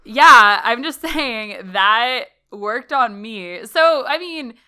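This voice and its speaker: A young adult woman, a podcast guest, telling stories in animated, giggly casual chat. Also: a little high, drawn-out words, clear, resonant tone.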